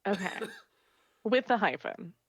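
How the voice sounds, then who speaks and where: A woman's voice: medium pitch, lively intonation, slow, breathy edge, no echo. A woman chatting casually and with amusement while playing a tabletop game on a live stream.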